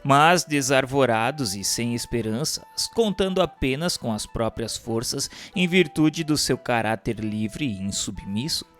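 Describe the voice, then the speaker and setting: A man with a Brazilian accent reads a scripted narration in a solemn, formal, declamatory way. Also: medium pitch. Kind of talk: scripted narration, audiobook-like reading of a religious history text. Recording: voice over instrumental guitar music. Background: instrumental music with guitar.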